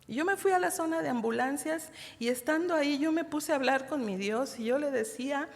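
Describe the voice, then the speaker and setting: Middle-aged Mexican woman, slightly high voice, emotional church testimony, long hall echo. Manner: heartfelt, addresses listeners as sisters, halting restarts. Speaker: women's meeting speaker. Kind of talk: emotional personal testimony sermon.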